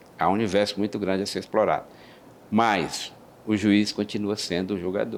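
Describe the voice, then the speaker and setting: A man's voice, fairly low in pitch. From Maranhão, Brazil (rural Tuntum). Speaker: judge. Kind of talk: oral history interview.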